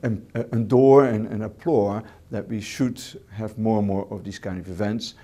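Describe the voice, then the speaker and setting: A man with a Dutch accent, a hotel manager answering interview questions in English as a second language, measured, with repeated words and fillers. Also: fairly low pitch, fairly even intonation, warm tone. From Netherlands.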